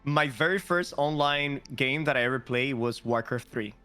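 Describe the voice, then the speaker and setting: A man from Cuba co-hosting a podcast, telling stories in an animated, casual way. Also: medium pitch, moderate pace, clean tone, faint music behind. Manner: animated, informal storytelling. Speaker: podcast co-host.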